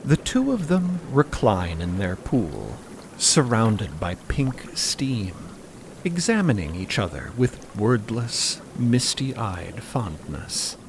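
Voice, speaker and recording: A man narrates an audio drama with literary, expressive phrasing. His voice sits fairly low and moves around in pitch, with clear water noise behind it. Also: slow.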